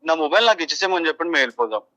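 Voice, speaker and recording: A man speaks very rapidly in a bright, forceful voice as a news interviewee. The sound is dull, band-limited phone audio. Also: a little high, lively intonation. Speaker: phone interviewee, supporter at a protest.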